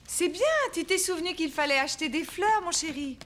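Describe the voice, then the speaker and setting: A woman's voice: very high voice, brisk, fairly bright tone, slight background noise. A woman playing a kind, encouraging young mother in a children's cartoon. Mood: pleased. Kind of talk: French-language children's cartoon dialogue.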